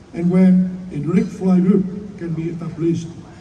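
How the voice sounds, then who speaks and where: A man talks at a high pitch and a fairly slow pace. Noticeable background noise and audible room echo surround him. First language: Vietnamese. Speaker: ambassador. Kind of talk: formal speech. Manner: formal.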